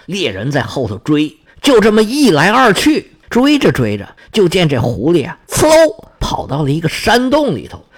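A man telling myths in a folksy, chatty storyteller's way, with asides to his listeners. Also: sits high.

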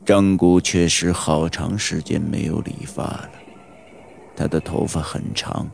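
A man narrating a horror audiobook in a slow, suspenseful storytelling manner. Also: a bass voice, steady tone, gravelly, a little mellow, a little hiss or hum. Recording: audiobook with background music.

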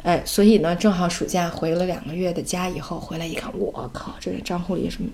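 A woman's voice: fairly low pitch, steady tone, quick pace, vocal fry, dark tone, slight background noise. Chatty Chinese mother telling family stories. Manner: chatty, with many fillers and Mandarin-English mixing. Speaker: mother, vlogger. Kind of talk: casual storytelling.

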